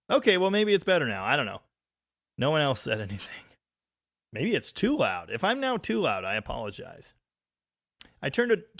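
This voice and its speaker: Gravelly chatty man streaming live. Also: mid-range voice, dry recording, studio quality. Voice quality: very loud voice. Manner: chatty, thinking aloud while reading viewer comments. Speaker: livestream host reading chat. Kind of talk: casual live chat about cars. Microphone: phone microphone.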